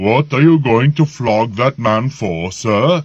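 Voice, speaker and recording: A man uses a put-on character voice at a medium pitch. He goes at a fairly slow pace with lively intonation. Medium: read story. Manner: calm, direct.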